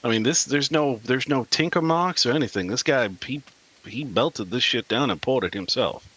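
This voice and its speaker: A man playing in a tabletop game, talking casually in character with profanity and halting restarts. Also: mid-range voice, fairly bright tone, husky. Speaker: player.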